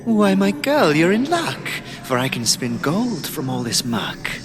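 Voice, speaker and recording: A man's voice: on the high side, wildly swooping pitch, a little slow. A man playing a sly, menacing little trickster creature who coaxes theatrically in rhyme in a fantasy audio drama. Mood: sly sweetness. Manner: theatrical, sing-song, coaxing in rhyme. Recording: voice under loud music.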